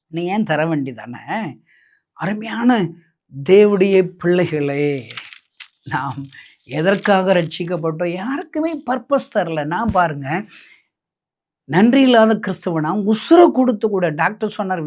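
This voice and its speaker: A man preaching a fervent Christian sermon, emphatic and firing rhetorical questions at his listeners. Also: sits high. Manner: emphatic, fires rhetorical questions, shouts hallelujah between points.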